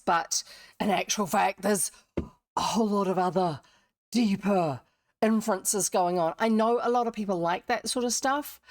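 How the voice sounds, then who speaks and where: A woman's voice: mid-range voice, gravelly, no echo, studio quality. A woman with a New Zealand accent chatting casually and in a rambling way to viewers as a livestream host. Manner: chatty, rambling, self-interrupting asides. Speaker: livestream host who reads old books aloud.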